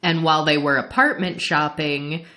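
Chatty, laughing Midwestern woman, lower voice. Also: normal speed. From Midwestern United States. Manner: chatty and animated, laughs often, frequent fillers. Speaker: podcast co-host. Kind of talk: casual chat recapping an anime series.

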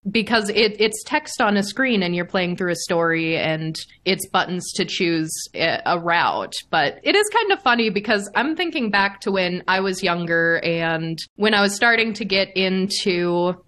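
Woman host just chatting, normal mid pitch voice, casual. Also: sing-song, unhurried, hardly any pauses, a bit bright. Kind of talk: casual chat.

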